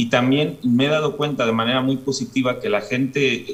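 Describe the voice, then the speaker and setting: A man speaks with a Mexican accent. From Mexico. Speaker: entrepreneur. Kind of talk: radio/TV interview.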